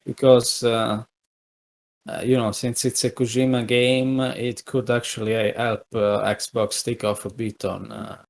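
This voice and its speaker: A man's voice: medium pitch, little pitch movement, unhurried, creaky. Hesitant man chatting on a podcast. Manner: hesitant, many uh fillers, teasing. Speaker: podcast co-host. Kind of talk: casual gaming podcast chat.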